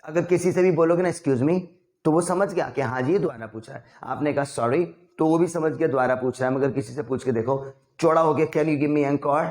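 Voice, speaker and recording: A young man teaching English vocabulary in a casual, chatty way. He mixes two languages and slows down to spell out the English example sentences. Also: a little high, darkish tone.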